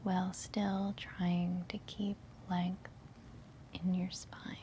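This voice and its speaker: A woman leading a guided meditation in a soft, breathy whisper, giving gentle, soothing instructions with long pauses. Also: fairly low pitch, level tone, a little hiss or hum.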